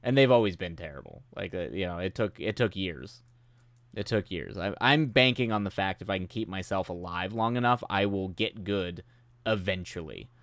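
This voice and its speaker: A low-pitched man talks loosely to his live chat, rambling and poking fun at himself with frequent laughs. He's getting sick and his voice is beginning to wear out. The sound is close and dry, with no room around it. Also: moderate pace, fairly bright tone, no echo. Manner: rambling, self-deprecating, laughs often. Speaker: streamer hosting writing sprints.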